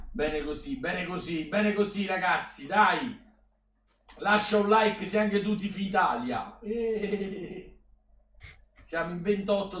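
A young man hosting a casual live-stream match reaction, talking loosely and bursting into shouts at big plays. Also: a little high, recorded from a distance. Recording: roomy and off-mic, faint background hum.

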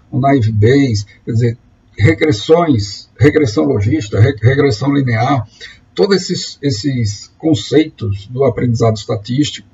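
A man lectures over slides, explaining things step by step and frequently restarting words. His mid-range voice has a darkish, husky, gravelly quality, and the recording is dull and lo-fi.

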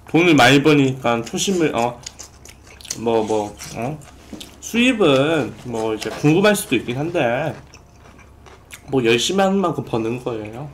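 Young guy thanking viewers on an eating stream, polite explaining tone, faint hiss behind. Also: medium pitch. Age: young adult. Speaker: mukbang streamer. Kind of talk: casual chat, reading viewer donations. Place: small room indoors at a food-covered table.

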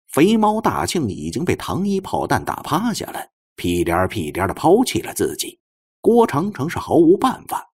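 A man's voice: lowish voice, a little mellow, husky. A man narrating a scripted audiobook story as a storyteller.

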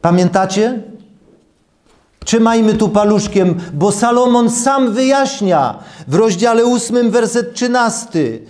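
A man in his sixties preaching a sermon and reading scripture in a deliberate, emphatic way, repeating key phrases. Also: high-pitched, lively intonation, a little mellow. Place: small church room, at a lectern.

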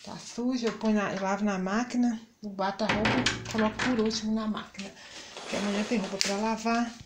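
A middle-aged Brazilian woman talks chattily to the viewers of her home vlog, filmed on a handheld phone in her kitchen. Her voice sits at an ordinary middle pitch. Loud clattering of dishes and pans runs under her speech. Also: fairly even intonation, brisk, very noisy. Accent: Brazilian Portuguese. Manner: chatty, addresses viewers as "gente". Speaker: vlogger. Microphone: handheld phone camera.

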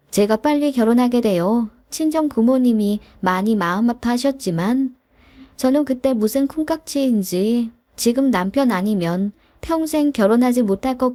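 A woman narrating a scripted first-person story in an even, measured way. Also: a little high, no echo.

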